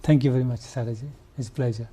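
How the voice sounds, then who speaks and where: Older nepali guy, nepali accent, husky dark voice, earnest and halting w lots of restarts. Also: medium pitch, fairly even intonation. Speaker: conservationist guest. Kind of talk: interview answers.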